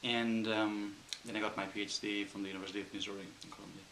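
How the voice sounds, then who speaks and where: A man from Spain with a Spanish accent, an engineer answering interview questions thoughtfully with frequent pauses and ums. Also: lowish voice, flat delivery, fairly bright tone, reverberant, a little hiss or hum, low-quality recording. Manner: thoughtful, hesitant with many ums.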